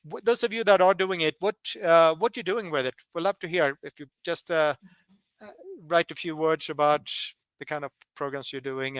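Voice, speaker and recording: Guy from colorado giving a webinar, smooth clear voice, lots of uh and um, dry close mic. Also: a little high, a bit bright, no echo. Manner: halting, many fillers and restarts. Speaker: workshop presenter. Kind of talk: webinar presentation.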